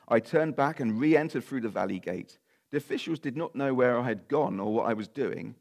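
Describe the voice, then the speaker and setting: A man delivering a sermon, his voice croaky and slightly nasal from a week of coughing. He reads a long scripture passage at a middling pitch, breaking off now and then for casual, apologetic asides to the congregation. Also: darkish tone. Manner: informal, apologetic asides while reading scripture. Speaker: preacher. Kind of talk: sermon with Bible reading.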